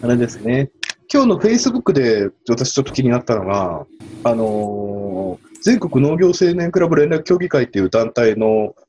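A man co-hosting a casual podcast chat, joking and animated, sometimes acting out rude voices. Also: mid-range voice, moderate pace, slight background noise. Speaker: podcast co-host.

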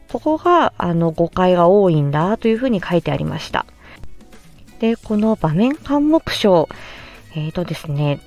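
A woman who works as a speech-language therapist hosts a solo educational podcast, explaining in a gentle, sympathetic way and pausing often with fillers as she thinks. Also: fairly low pitch. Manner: thoughtful, explains slowly with many fillers. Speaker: podcast host.

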